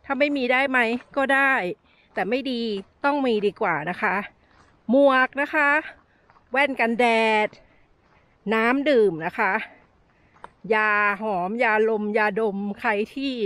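A woman's voice: a little high, dry recording. A middle-aged woman chatting through hiking tips as she walks a sunny desert canyon trail, filming herself at arm's length, a little out of breath. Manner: chatty, friendly tips with soft sentence-final particles. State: slightly out of breath while hiking. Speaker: travel vlogger. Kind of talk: casual walk-and-talk vlog. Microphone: handheld camera at arm's length.

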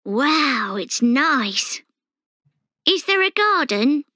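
A bright, high child's voice from a textbook recording, voiced by a woman. She speaks very slowly, her pitch leaps up and down in a sing-song way, and the sound is dry and close. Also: very animated, dry recording, exaggerated voice. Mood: curious. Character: child character asking in a textbook dialogue.

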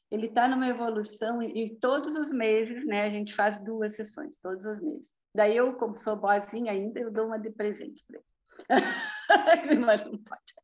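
A woman tells a testimonial story in a chatty way, laughing often and adding tag questions, over a video call. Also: fairly high pitch. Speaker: therapy practitioner giving a testimonial.

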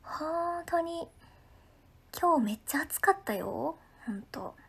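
Woman, Ehime accent, high voice, friendly livestream chat, breathy soft asides. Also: lively intonation, slow. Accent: Ehime Japanese. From Ehime, Japan. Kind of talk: casual livestream chat, reading viewer comments.

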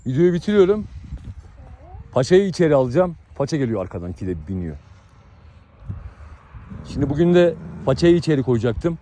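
A man's voice: on the high side, big pitch swings, brisk, pauses often, warm tone. A man narrating to his viewers while trying to separate two fighting dogs outdoors, giving urgent repeated commands. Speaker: dog breeder vlogger. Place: outdoors in a dog yard. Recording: outdoor recording with dog noise.

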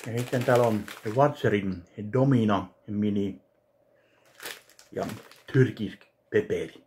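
A man in his thirties from Finland, casually narrating an unboxing of a fan package in his home kitchen, speaking slowly and haltingly to a webcam. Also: lowish voice, mellow, a little hiss or hum. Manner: slow, halting, listing items one by one. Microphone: webcam at desk distance.

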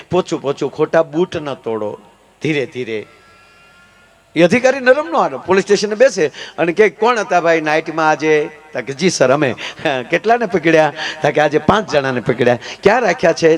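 Animated folk storyteller. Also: male voice. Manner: animated, swings pitch to act out quoted characters; preachy asides between jokes. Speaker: folk humorist. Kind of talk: live folk comedy storytelling.

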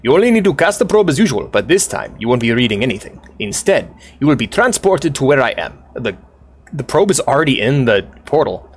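A man voicing an eager male scientist friend in a put-on accent that drifts between South Asian and South African English, talking high and fast. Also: big pitch swings, husky. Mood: excited. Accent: put-on South Asian English slipping toward South African.

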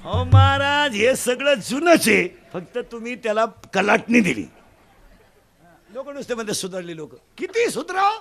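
A man from Maharashtra delivering a comic devotional sermon, animated, with loud bursts and mimicry of village folk. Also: very high voice, normal speed, vocal fry, soft background music. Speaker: kirtan preacher.

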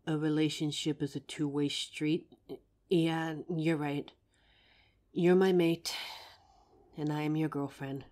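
A gentle young werewolf girlfriend, played by a woman, talking low and unhurried in a soft, breathy audio-drama voice. Her tone is mellow and dark, and she sounds tender with her partner. She lingers over each word. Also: level tone. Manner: tender, slow, grounding exercise. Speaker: voice actor. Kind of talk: F4A audio roleplay.

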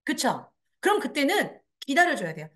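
A woman's voice: sits high, huge pitch swings, normal speed. A woman teaching a parenting class, acting out dialogue in exaggerated voices and quizzing her audience. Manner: asks the audience questions and answers them. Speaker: parenting education lecturer. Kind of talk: lecture to parents and children.

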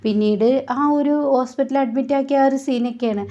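A woman casually retelling a TV serial plot, chatty and tagging her sentences with a soft "you know". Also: sits high, fairly even intonation, fairly quick, highs cut off. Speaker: serial recap narrator.

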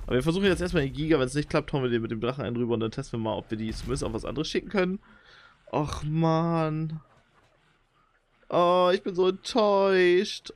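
Excitable young man commentating his gameplay. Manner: excitable, talks to viewers, jumps into high squeals when excited. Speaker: let's play gamer.

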